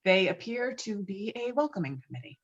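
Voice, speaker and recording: A woman's voice: mid-range voice, very animated, a little fast. Woman narrating screenplay directions, slightly muffled. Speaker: narrator reading stage directions. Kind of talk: scripted screenplay narration at a table read. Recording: slightly muffled online call audio.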